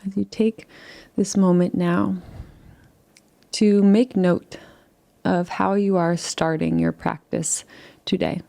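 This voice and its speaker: Meditation guide, woman: low-pitched voice with vocal fry, soft and unhurried, gently inviting. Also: animated. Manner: soft, unhurried and soothing, with long pauses; gently invites rather than instructs. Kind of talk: guided relaxation.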